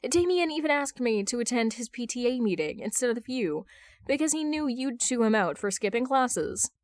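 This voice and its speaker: Woman acting a flustered, exasperated man, excitable pitch. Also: moderate pace, no echo, clean studio sound, close to an everyday voice. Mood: incredulous. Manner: stammering, defensive. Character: flustered, exasperated adult man, superhero in love. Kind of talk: fan fiction audiobook dialogue.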